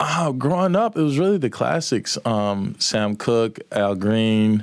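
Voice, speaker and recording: A man's fairly low voice with an American accent, an unremarkable speaking voice at a fairly slow pace, on a very clean recording with a silent background. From Georgia, US South (Manchester). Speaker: music producer and songwriter. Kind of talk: radio interview.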